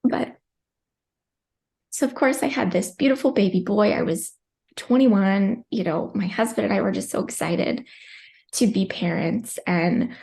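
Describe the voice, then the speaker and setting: A woman's voice: mid-range voice, a little slow, creaky, a little mellow. A young woman in her twenties, a podcast guest telling a personal birth story in a chatty, emotional way with many fillers. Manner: tearful at times, chatty with many likes.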